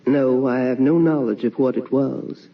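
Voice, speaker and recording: An actress playing the mournful, tender ghost of a wife and mother in a theatrical, hushed radio drama monologue. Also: extremely low pitch, steady tone, gravelly, full character voice. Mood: haunted, solemn. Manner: slow, hushed, theatrical delivery. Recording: muffled old radio recording, distant mic.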